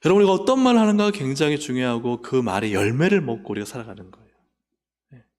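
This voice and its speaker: A man preaching a sermon as pastor. He acts out complaints in a raised voice and drops to soft, reverent tones. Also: medium pitch, expressive, quick pace. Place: church sanctuary. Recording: long church hall reverb.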